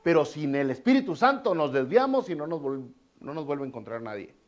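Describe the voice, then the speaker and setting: Male pastor, fairly high voice, delivering a sermon in a loose, conversational way with casual asides. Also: very animated, fairly quick. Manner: conversational preaching with colloquial asides and repeated phrases.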